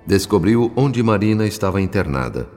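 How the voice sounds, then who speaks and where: A man with a Brazilian accent giving solemn, literary, measured narration for a radio drama. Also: deep voice, sing-song, darkish tone, in a large hall, soft background music.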